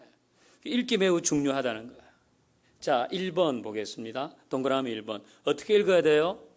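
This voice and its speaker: A man's voice: on the high side, big pitch swings, moderate pace. A middle-aged male pastor giving a folksy sermon, asking the congregation questions as he teaches. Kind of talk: sermon teaching on Bible reading.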